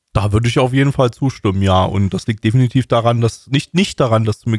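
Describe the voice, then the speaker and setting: Here is a man with an unremarkable speaking voice, fairly low in pitch and fairly quick in pace. His pitch varies in an ordinary way, and the sound is dry and close with no echo. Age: 30s. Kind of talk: casual chat.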